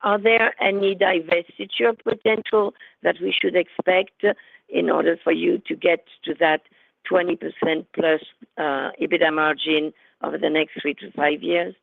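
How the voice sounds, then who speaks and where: Creaky-voiced woman calling in by phone. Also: lowish voice, level tone, moderate pace, dry recording. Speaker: financial analyst calling in with a question. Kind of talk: polite prepared question. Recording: narrowband phone line.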